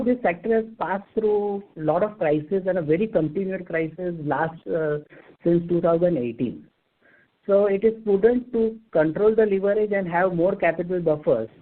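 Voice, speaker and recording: Man, Indian accent, company executive, methodical formal explanations, slightly high voice, tinny phone audio. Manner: formal, methodical, enumerating points. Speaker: company executive answering investor questions. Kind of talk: explanatory earnings call answers. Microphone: telephone conference call. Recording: tinny narrow phone line.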